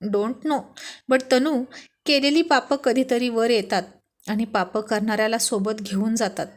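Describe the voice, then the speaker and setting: Woman doing a doting but bossy young husband, storybook voice, sits a bit high. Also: steady tone, measured pace, close to an everyday voice. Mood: smug.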